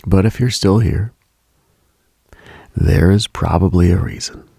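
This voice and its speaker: A man hosting a late-night radio show, speaking in a hushed, intimate, contemplative monologue with long pauses and a husky, breathy edge. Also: deep voice, dry recording, studio quality.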